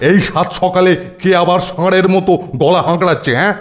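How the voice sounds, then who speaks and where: A man's voice: high-pitched, level tone, fast talker, faint music behind, lightly acted. A man voicing a grumpy, suspicious schoolmaster in a cartoon, with exaggerated blustering delivery. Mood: irritated, suspicious. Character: stern grumpy male schoolmaster, suspicious and easily tempted. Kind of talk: cartoon voice acting.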